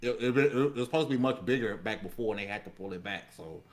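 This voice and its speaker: A man on a gaming podcast panel giving casual, explanatory commentary in a measured way with colloquial asides. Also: fairly low pitch, a loud crowd.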